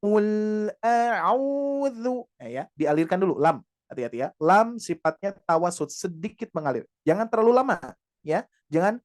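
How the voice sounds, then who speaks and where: A man teaching Quran pronunciation to a class of women, patiently modeling each sound slowly and repeating it. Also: a little high, animated. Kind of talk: tajweed lesson to women.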